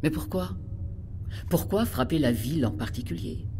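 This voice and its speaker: A woman's voice: low voice, very animated, moderate pace, noisy background. An actress playing an earnest, idealistic female scientist from a future planet in an audio drama, questioning sincerely and with some hesitation. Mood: earnest, troubled. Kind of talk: audio fiction dialogue.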